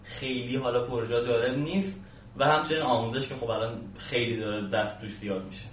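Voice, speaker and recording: A man's voice: medium pitch, fairly even intonation. A man giving casual, explanatory answers as an interview guest. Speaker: programming instructor, interview guest. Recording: echoey distant mic, muffled, faint hiss.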